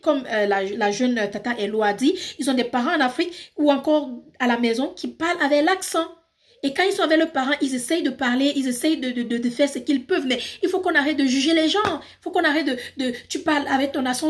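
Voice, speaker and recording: A woman with a Cameroonian accent, ranting passionately in a casual vlog and switching between French and English. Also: high-pitched. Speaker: YouTuber. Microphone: phone.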